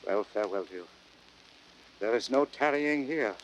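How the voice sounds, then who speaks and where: An actor playing a noble, grieving Roman commander, solemn and declamatory, in an old radio Shakespeare drama with hiss. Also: male voice, mid-range voice, expressive, moderate pace, lightly acted, low-quality recording. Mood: solemn resolve. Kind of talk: 1930s radio Shakespeare acting. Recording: hissy old radio broadcast recording.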